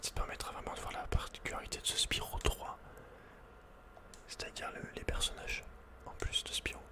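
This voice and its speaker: A man whispers into a nearby microphone at a fairly quick pace, offering playful, casual ASMR commentary as he plays a video game. The whisper is breathy and unvoiced.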